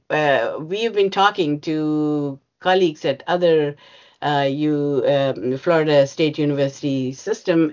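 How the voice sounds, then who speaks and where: A woman with a voice on the low side walks a bargaining meeting through her slides on a video call, hesitant and heavy on fillers. She is a union bargaining representative, and the recording sounds muffled.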